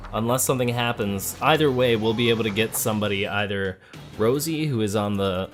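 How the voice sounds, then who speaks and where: Male let's play host, lowish voice, conversational and thinking aloud, light music behind. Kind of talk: casual game commentary. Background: game music.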